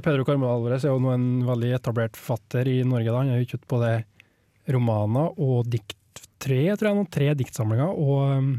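Hesitant man with a mellow voice. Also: mid-range voice, no room sound. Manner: hesitant, many fillers. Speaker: book reviewer on a radio show. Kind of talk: casual radio chat and poem reading.

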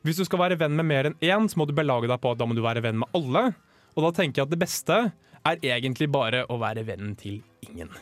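A man's voice: mid-range voice, lively intonation, dry recording, faint music behind. A young man co-hosting a comic radio chat show, handing out playful mock-serious advice, then speaking earnestly and candidly to his co-host. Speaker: podcast co-host.

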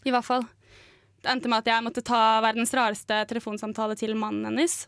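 A woman's voice: fairly high pitch, flat delivery, a bit bright, dry recording, clean studio sound. A young woman, co-hosting a radio show and telling a story in a casual chat. She laughs often and uses many fillers. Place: radio studio.

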